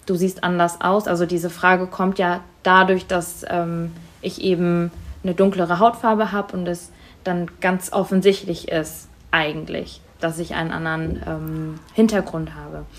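A woman whose first language is Tamil, being interviewed for a school project and answering thoughtfully with many pauses and hesitations. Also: on the low side, little pitch movement. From Germany.

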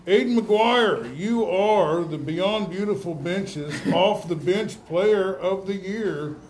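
Male host for casual sports awards chat; folksy, stumbling delivery, slightly high pitch, light noise behind. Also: darkish tone, low-quality recording. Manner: halting, folksy, repeats himself. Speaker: radio host interviewing award winners.

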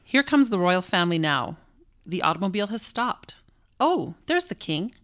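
A woman voicing an old-timey radio announcer in a brisk, breathless 1930s radio acting style. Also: lowish voice, very animated, a bit bright. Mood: excited.

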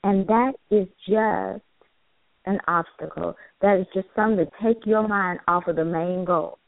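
A woman's voice: medium pitch, steady tone, measured pace, gravelly, no room sound. Encouraging woman over a tinny phone line. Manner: preachy and encouraging, repeats phrases, many "you know"s. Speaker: co-host. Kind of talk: motivational call-in show talk.

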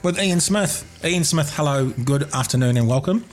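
A man hosting a casual live radio interview, chatty and rambling, slightly husky after an illness. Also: a little high, lively intonation, normal speed, faint music behind. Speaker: radio host.

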